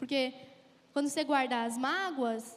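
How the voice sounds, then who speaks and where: A woman talks at a moderate pace. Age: 20s. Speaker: guest preacher, pastor's daughter. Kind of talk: testimony within a shared sermon.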